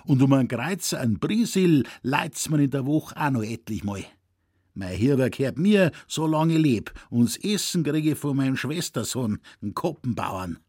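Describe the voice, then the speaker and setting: A man's voice: mid-range voice, normal speed, slightly rough, no echo, clean studio sound. A man voicing an older, stooped Bavarian hunter in a raised, quavering voice, complaining about his back and gushing with thanks. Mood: lamenting. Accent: Bavarian dialect. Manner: complaining, then effusive and excited. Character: stooped old Bavarian hunter, frail and lamenting.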